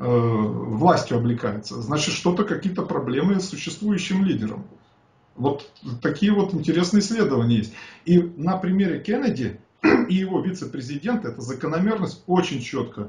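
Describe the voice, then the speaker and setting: A man's voice with vocal fry, a moderate pace, long, frequent pauses and audible room echo. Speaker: guest. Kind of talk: interview answer. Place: office. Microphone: video call.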